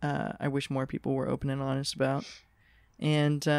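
Moderate pace against a quiet background, with a dry sound and no echo. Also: man. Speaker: podcast host. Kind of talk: casual interview conversation. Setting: on location at guest's place. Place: studio. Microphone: studio mic.

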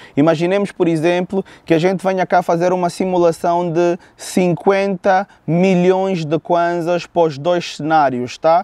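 A man's high-pitched, dark and mellow voice, monotone and flat, at a fairly slow pace with hardly any pauses and very even loudness over a quiet background. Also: dry sound with no echo. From Angola. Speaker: personal finance YouTuber. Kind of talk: YouTube explainer video. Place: garden.

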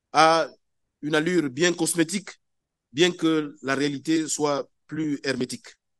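Against a quiet background, a man with a fairly high pitch talks at a very slow pace. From Gabon. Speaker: ambassador and diplomat. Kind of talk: formal lecture to a seminar. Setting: seminar room with simultaneous interpreters. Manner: formal. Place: hall. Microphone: podium.

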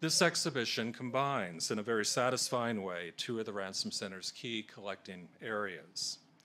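Speaking at a moderate pace with hardly any pauses, a man uses a bright, sharp tone and lively intonation. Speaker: cultural institution director introducing speakers. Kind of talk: formal prepared introduction. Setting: stage with audience in a theater. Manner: formal. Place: stage. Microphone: podium.

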